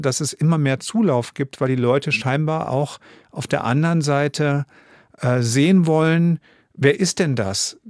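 Man in his fifties, middle-pitched, thoughtful, rambling with fillers, dry studio sound. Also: a little mellow, no echo. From Germany. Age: 50s. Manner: thoughtful, self-doubting, rambling with fillers and restarts. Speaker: guest, radio drama director and author. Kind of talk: radio interview answers.

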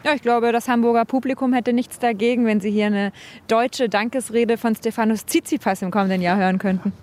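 A woman, a tennis reporter on site, chatting casually and lively with some fillers. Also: a little high, a little fast, a faint crowd, slight background noise. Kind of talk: casual chat.

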